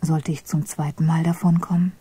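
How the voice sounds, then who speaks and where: A woman reading a memoir aloud, narrating in a hushed, mostly whispered voice. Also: low voice, level tone, normal speed, slightly rough, no echo. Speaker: reader of a memoir.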